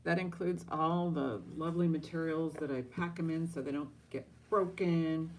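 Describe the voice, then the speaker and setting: A woman's voice: deep voice, fairly even intonation, normal speed, slight background noise, rough recording. A woman hosting a casual live-stream jewelry auction, chatting directly to viewers and thinking aloud as she goes. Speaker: online jewelry auction host.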